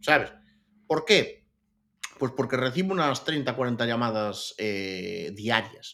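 A man with a medium pitch speaks at a very slow pace, leaving long, frequent pauses. His tone is bright and sharp, with very wide pitch swings. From Galicia, Spain (Lugo). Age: young. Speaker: co-founder of a hosting company. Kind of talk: interview conversation. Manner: casual, conversational.

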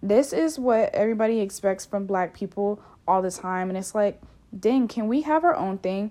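At a moderate pace, a woman of medium pitch speaks with a dark, mellow tone and lively intonation. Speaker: podcast host. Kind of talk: casual solo chat. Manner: soft-spoken; casual, filler-heavy, chatty.

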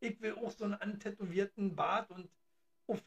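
The man speaks with a high pitch. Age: 20s. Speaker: livestream host. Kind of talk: casual chat. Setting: live stream, solo at home.

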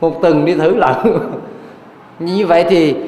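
A woman's animated tone at a moderate pace, with audible room echo and noticeable background noise. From southern Vietnam, Củ Chi. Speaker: Buddhist dharma speaker. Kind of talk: dharma talk. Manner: animated, acts out everyday dialogue with laughter.

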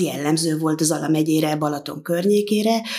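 A woman talks at a moderate pace with ordinary pitch variation. Noticeable background noise runs underneath. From Hungary, Somogy county. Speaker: ethnographer, museum researcher. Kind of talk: interview.

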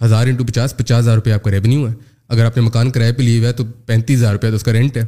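A man speaks with medium pitch in a dark, mellow, somewhat breathy tone. His intonation is monotone and flat. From Pakistan. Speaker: education entrepreneur. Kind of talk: interview.

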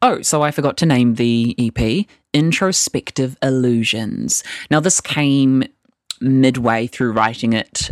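A woman speaks with a New Zealand accent at a very deep, low pitch. The sound is dry and close, with no echo. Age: 20s. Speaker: podcast host, musician and drag performer. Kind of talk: casual solo podcast monologue.

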